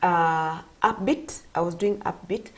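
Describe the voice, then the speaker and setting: A woman's voice: fairly low pitch, a little slow. A woman from Kenya, a gospel singer and vocal coach, giving earnest, explanatory interview answers and repeating phrases for emphasis.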